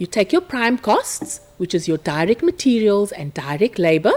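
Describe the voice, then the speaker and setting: A woman speaks with lively intonation. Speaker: teacher. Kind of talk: lecture. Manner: fast.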